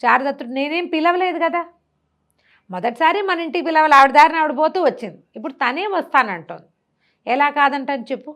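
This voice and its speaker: Woman voicing an earnest, pleading man, high-pitched. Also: a little fast, fairly bright tone. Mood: defensive.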